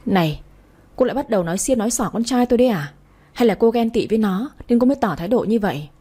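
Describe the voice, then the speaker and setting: A theatrical old mother-in-law who sneers and wails her grievances, as a woman narrator puts her on. The tone stays mellow and a little husky. It is a first-person storybook reading. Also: fairly high pitch, lively intonation, quick pace. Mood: scornful. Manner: wailing, sarcastic complaints. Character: scolding, dramatic elderly mother-in-law.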